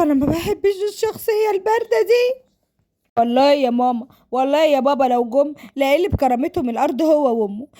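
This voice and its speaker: A woman acts out a defiant young Egyptian woman in a family drama story. Her voice is high and she talks very quickly. She complains and pleads with melodramatic distress, refusing to be married off. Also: dark tone, close to an everyday voice.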